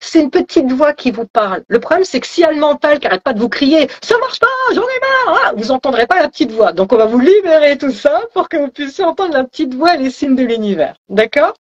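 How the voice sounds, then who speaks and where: High-voiced woman guiding a relaxation. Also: fast, few pauses, dull audio. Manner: calm guiding voice with soft fillers. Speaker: spiritual coach leading a ritual. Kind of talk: guided relaxation.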